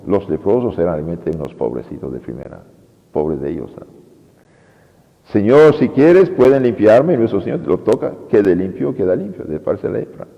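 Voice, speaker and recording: Priest guy giving a sermon, gravelly, voice jumps all over, echoey church, kinda muffled. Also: deep voice, brisk. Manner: lively preaching, acting out quoted pleas. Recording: lo-fi recording with long church reverb.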